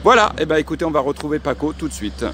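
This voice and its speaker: A man's voice: fairly high pitch, animated, racing, noisy background. A man narrating a casual on-location vlog, hesitating often with fillers and restarts. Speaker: vlogger and expat coach.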